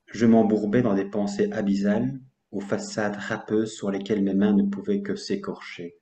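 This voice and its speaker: A male interviewer with a low, warm voice who talks in a measured and thoughtful way. He asks his guest questions and reads poems aloud. His voice carries a roomy echo. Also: little pitch movement. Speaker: interviewer and host. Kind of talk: interview questions and poetry reading.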